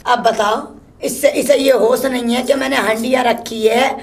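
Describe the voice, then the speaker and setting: A woman's voice: steady tone, normal speed, close to an everyday voice. A woman playing a scolding old mother-in-law who curses and complains nonstop. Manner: shrill, cursing, complaining nonstop. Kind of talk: solo comedy sketch.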